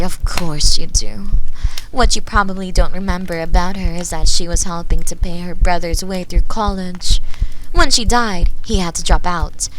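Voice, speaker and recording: A woman voicing a sinister, manipulative seer, speaking calmly and slowly with a soft, partly whispered voice into a binaural mic. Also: fairly low pitch, a little hiss or hum, low-quality recording. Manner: calm, slow and coolly menacing.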